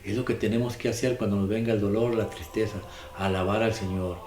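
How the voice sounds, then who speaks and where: A man's voice: lowish voice, fairly even intonation, fairly quick, a little mellow, slight background noise. A man preaching a sermon, emphatic and repetitive, putting questions to his listeners. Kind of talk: sermon on the daily gospel. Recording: echoey room with music behind.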